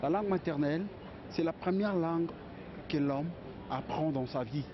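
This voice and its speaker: A man's voice: on the high side, moderate pace, background noise. A man from Kinshasa answers a street interviewer earnestly, with frequent hesitations. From Kinshasa, DR Congo. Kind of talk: vox pop answer. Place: busy street outdoors. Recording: dull lo-fi street recording with crowd.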